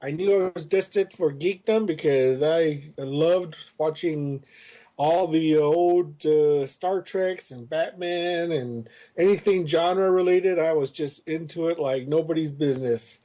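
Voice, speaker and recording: Mellow-voiced man rambling through anecdotes. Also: on the high side, unhurried, highs cut off. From United States. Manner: rambling, many hesitant fillers. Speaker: interview guest, comics creator. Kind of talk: casual storytelling interview.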